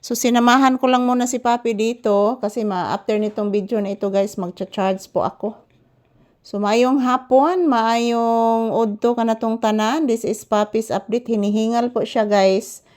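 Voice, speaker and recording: Woman, slightly high voice, casual pet vlog, doting baby talk, sweaty from the heat, indoors at home. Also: steady tone, normal speed, darkish tone. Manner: mixes Filipino, Cebuano and English. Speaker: vlogger. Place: inside a hot house.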